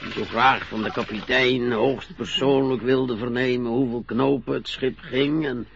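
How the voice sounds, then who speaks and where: An older man with a Dutch accent, playing a retired merchant navy captain in a radio play, reminiscing slowly with a husky, chuckling voice. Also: mid-range voice, steady tone, dull audio, noisy background, lightly acted. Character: old retired sea captain, modest and a bit vain.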